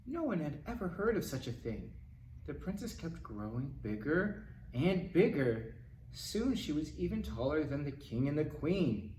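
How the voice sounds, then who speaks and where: Male storytime reader for a picture book, lively swooping intonation and playful asides, heard in an echoey room with faint noise. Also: on the high side, unhurried. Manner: animated, dramatic, with exclamations and asides to children. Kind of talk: expressive children's picture-book read-aloud. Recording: roomy, distant mic, faint noise.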